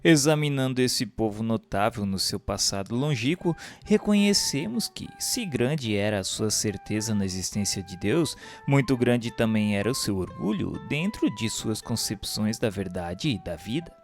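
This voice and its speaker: A man's voice: on the low side, sing-song, moderate pace, few pauses. Solemn Brazilian man narrating over music. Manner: solemn, formal, declamatory. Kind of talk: scripted audiobook-style narration of a religious text. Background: instrumental music.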